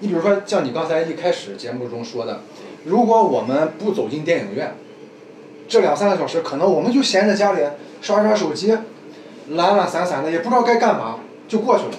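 A man's high voice at a fairly quick pace, with very wide pitch swings, long, frequent pauses and noticeable background noise. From Jinan, Shandong, China. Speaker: podcast co-host. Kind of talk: casual chat. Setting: studio.

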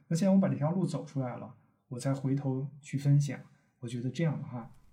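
A man's somewhat breathy voice, medium in pitch and dark and mellow in tone, with ordinary pitch variation at a fairly quick pace. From Beijing, raised abroad from age 12. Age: 30s. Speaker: early retiree. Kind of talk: interview conversation.

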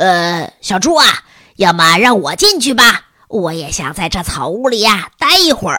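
A woman uses a gruff, put-on character voice at medium pitch and a moderate pace, in a very clean recording with a silent background. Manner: gruff, polite.

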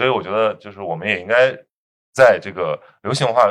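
A man with lively intonation. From Qingdao, Shandong. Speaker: podcast host. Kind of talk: casual panel discussion.

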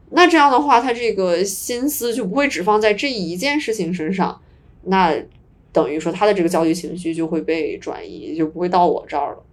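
A woman's medium-pitched voice moves through very wide pitch swings. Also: fairly quick pace. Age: 20s. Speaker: podcast co-host. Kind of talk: casual chat.

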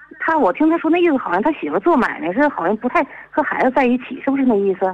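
Very fast speech over noticeable background noise. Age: 50s. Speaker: caller. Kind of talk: phone call-in opinion. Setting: phone call.

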